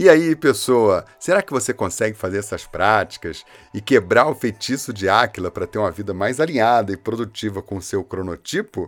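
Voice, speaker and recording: With a Brazilian accent and an animated tone, a man speaks at a moderate pace and medium pitch, his intonation lively and his speech hardly pausing, while music plays in the background. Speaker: podcast host, leadership coach. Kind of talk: podcast monologue, storytelling.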